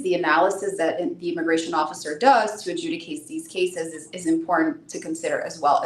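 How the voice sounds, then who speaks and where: A woman's voice: fairly low pitch, echoey room. A woman in her thirties, born in Brazil with Portuguese as her first language, answering interview questions as an immigration attorney in an earnest, explanatory way, often repeating a word as she starts a phrase.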